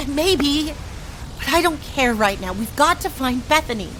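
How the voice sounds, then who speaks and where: A woman's voice: high voice, expressive, measured pace. An urgent woman doctor. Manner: urgent, caring, stammers under stress. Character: determined young woman doctor, narrator. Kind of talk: radio drama acting and narration. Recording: noisy radio-play track with effects.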